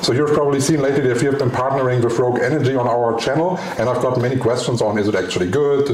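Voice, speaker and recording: A man talks at a fairly quick pace. Audible room echo and light background noise can be heard. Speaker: channel host. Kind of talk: casual vlog chat. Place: home room.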